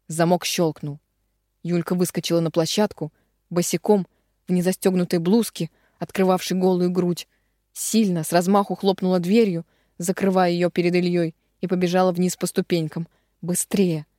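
Woman narrator, audiobook, dramatic reading, low voice, dark tone, dry close sound. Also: no room sound. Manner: dramatic, slowing down on heavy phrases.

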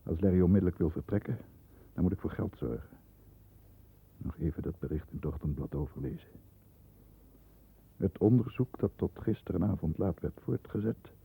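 Deep, husky, stern barrister with gravelly edge. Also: male voice, warm tone, heavily acted, poor audio. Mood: grave, tense. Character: stern, controlled barrister shielding his wayward brother, narrating events. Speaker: actor playing narrator and lead. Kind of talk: 1960s Dutch radio thriller acting, first-person narration.

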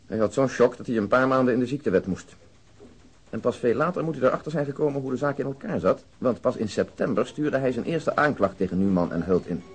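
A police detective in a radio crime drama. He lays out a case at a quick clip, with a medium-pitched voice. His telling is factual and orderly, salted with dry asides. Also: lively intonation, husky. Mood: matter-of-fact, grave. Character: male police detective briefing colleagues on an old case.

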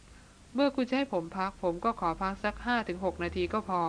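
A woman reading the lines of a shaken, weary man who leads a jungle hunting party, speaking slowly and haltingly in a subdued voice. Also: high voice, animated, fairly bright tone, faint music behind.

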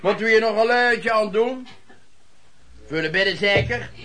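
An actor in a Dutch radio play as a surly lodging-house boss, snapping coarsely and cursing. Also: male voice, high voice, measured pace, pushed and bright. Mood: angry, scornful.

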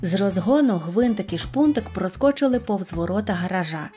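Woman reading a kids storybook, mid-pitched, soft music under it. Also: expressive, moderate pace. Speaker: audiobook narrator. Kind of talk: storybook narration.

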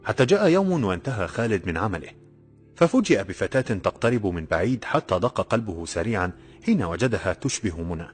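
A man narrating a novel in a steady, measured storytelling voice. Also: lowish voice, husky, soft background music. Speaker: audiobook narrator. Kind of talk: scripted narration.

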